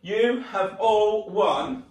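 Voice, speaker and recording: A middle-aged man hosting his own channel, announcing prize winners in an enthusiastic, chatty way, a little croaky from a cough, filmed in his living room. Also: sits high, extremely slow, darkish tone, slight background noise. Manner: enthusiastic, chatty, gestures while talking. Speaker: channel host. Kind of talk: upbeat announcement to viewers. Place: living room at home, indoors. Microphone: camera across the room. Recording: roomy echo from a distant camera mic.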